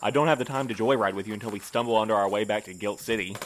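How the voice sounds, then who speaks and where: A man's voice: fairly low pitch, rapid-fire, a little hiss or hum, close to an everyday voice. A man playing a stubborn, by-the-book postmaster in an audio drama, speaking in a formal, politely dry way. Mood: determined. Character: prim, stubborn male postmaster, a by-the-book boss. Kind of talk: naturalistic audio drama acting.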